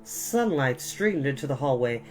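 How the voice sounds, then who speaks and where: A woman narrates a children's novel in a low voice. Her delivery is expressive, deliberate and a little theatrical, as a storyteller's is. Music is clearly audible beneath the reading.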